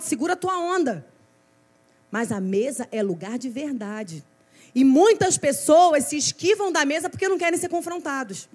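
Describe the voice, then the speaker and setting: A woman pastor with a Brazilian Portuguese accent, preaching a sermon in a lively, conversational way with frequent asides to the congregation. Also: high voice.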